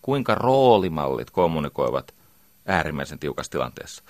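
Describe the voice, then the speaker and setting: A man's voice: rumbling low, sing-song, dry recording. A middle-aged man giving a lecture as a communication trainer, emphatic and full of rhetorical questions.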